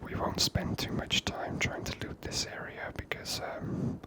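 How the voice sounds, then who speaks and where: Whispering man, ASMR game commentary. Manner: unhurried, murmured thinking aloud. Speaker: ASMR gaming host.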